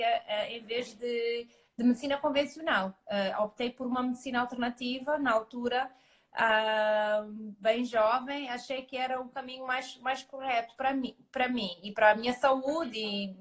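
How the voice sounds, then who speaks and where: Middle-aged Mozambican-born woman guest, higher voice, halting delivery full of fillers. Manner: hesitant, many fillers and restarts. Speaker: guest naturopathic doctor. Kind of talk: live interview.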